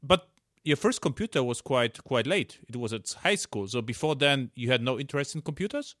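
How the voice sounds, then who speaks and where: A man hosting a podcast conversation, his mid-pitched voice recorded dry and close. He asks curious questions hesitantly, often pausing and restarting his sentences. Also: lively intonation, a bit bright, no echo. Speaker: podcast host. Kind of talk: casual conversational interview.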